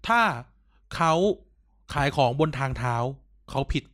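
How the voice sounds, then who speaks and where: A man's voice: medium pitch, slow, a bit bright. Blunt young man in casual banter. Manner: blunt, chimes in with short agreements. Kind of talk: casual crude banter between friends.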